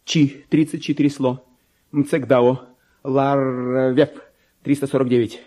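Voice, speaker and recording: An actor in a radio play voicing a deluded, tormented clerk who believes he is king, theatrical and volatile, with a husky voice. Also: medium pitch, flat delivery, slow pace, natural voice. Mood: anguished, pleading. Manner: theatrical, volatile, swinging from hushed muttering to anguished outcry. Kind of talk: dramatic radio monologue reading of classic literature.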